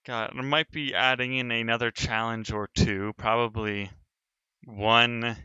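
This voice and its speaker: A man's voice: mid-range voice, flat delivery, measured pace, sharp tone, smooth, dry recording, highs cut off. A man streaming a sandbox building game, thinking aloud in casual commentary as he narrates each step of his work.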